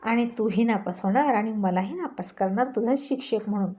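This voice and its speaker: A woman's voice: mid-range voice, fairly quick, warm tone, lightly acted. A woman voicing a stern young husband who talks bluntly and mocks his wife, in a read-aloud storybook. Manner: blunt, bossy, mocking.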